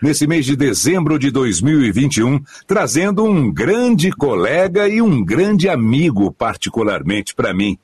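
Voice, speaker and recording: A man's voice: mid-range voice, very animated, unhurried, hardly any pauses, darkish tone, breathy edge. An older man hosting a radio podcast from home, friendly and teasing, with a broadcaster's delivery over a remote link. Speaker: podcast host. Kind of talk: warm interview hosting. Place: home in a small room. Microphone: remote online recording.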